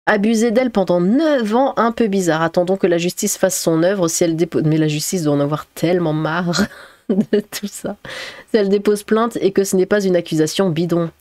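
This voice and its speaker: A woman's voice: on the low side, moderate pace, a little mellow, no room sound. Rambling sarcastic woman streaming from home. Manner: hesitant and rambling, sarcastic asides. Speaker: streamer reacting to chat. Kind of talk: casual livestream commentary. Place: at home, cat nearby.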